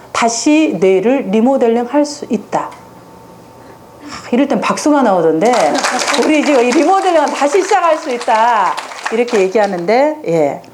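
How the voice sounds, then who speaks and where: Lively woman lecturing parents. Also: a little high, slight background noise. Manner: asks the audience quizzing questions and answers them herself. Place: lecture hall with a seated audience.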